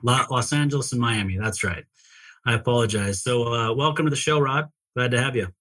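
Mid-pitched male podcast co-host. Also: fairly quick, a bit bright. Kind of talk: podcast interview hosting.

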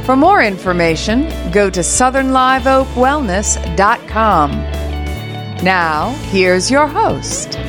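Slow lilting woman announcer over music. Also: a little high, very animated. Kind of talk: sponsor read.

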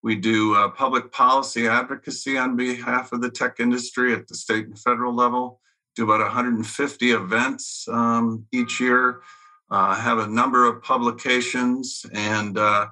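Brief: businesslike male executive, very sharp, crisp tone, mid pitch. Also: little pitch movement, moderate pace, poor audio. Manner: businesslike, listing facts. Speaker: trade association president. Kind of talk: panel self-introduction.

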